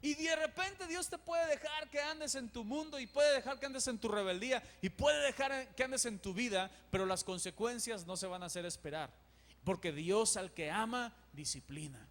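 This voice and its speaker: Male pastor, animated sermon; high pitch, long church reverb. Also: normal speed. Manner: animated, acts out dialogues.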